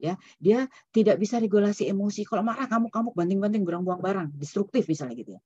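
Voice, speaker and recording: A woman's voice: medium pitch, lively intonation, fast talker, warm tone, husky, dry recording, muffled recording. A woman psychologist giving an online seminar lecture in a loose, conversational way, dropping English terms into her talk and tagging sentences with "gitu ya". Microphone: video call.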